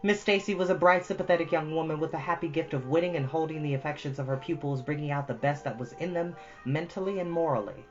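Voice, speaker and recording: Talking fast, a very low-voiced woman runs a storytime that mixes casual chat with expressive reading from a book. Her tone is earnest and encouraging. Music plays beneath a dull, lo-fi recording.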